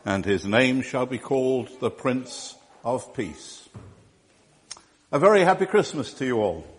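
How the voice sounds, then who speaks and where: A man's voice: mid-range voice, animated, measured pace. A man helping lead a church service, speaking in a light, lightly joking way, his voice ringing in a long churchlike reverb. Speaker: church service leader and quiz scorekeeper.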